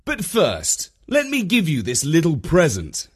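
A man playing a well-meaning, awkwardly diplomatic gentleman in a storybook, polite, earnest and emphatic. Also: on the high side, wildly swooping pitch, unhurried, breathy edge, pitched above the performer's own voice, heavily acted. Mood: cheerful.

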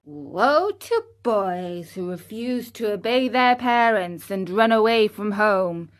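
A woman reading a storybook aloud, voicing a wise old male cricket who speaks in a calm, measured, moralizing way. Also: mid-range voice. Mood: solemn.

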